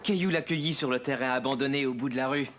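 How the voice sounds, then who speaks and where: A man's voice: mid-range voice, fast, a bit bright, soft background music, close to an everyday voice. A man playing an easygoing, friendly father in a children's cartoon, with an encouraging way of explaining. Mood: warm. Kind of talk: French children's cartoon acting.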